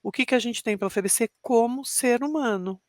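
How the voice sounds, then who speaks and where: A woman's voice: on the high side, a little fast, a little mellow, no room sound, clean studio sound. A middle-aged woman with a Brazilian Portuguese accent, a podcast guest who talks reflectively and explains with examples. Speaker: podcast guest, leadership speaker. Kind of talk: interview conversation.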